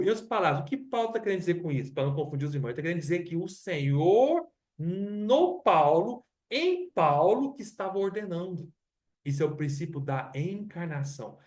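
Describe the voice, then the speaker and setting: Man, Brazilian accent, preacher, Bible study sermon, somewhat high voice, rhetorical questions, recorded from a distance in a church. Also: animated, fairly quick, darkish tone. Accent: Brazilian Portuguese. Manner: conversational teaching with rhetorical questions and repeated words. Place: church hall.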